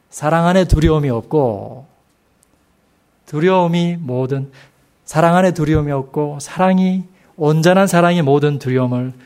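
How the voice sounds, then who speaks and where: A middle-aged man preaching a sermon in a church, speaking slowly and emphatically and asking the congregation rhetorical questions. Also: a little high, a little mellow. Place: church sanctuary.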